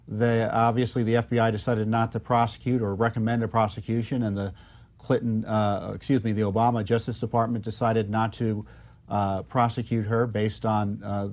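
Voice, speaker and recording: A man with an American accent speaking off the cuff as a political commentator, measured and halting, making pointed arguments. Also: lowish voice, darkish tone.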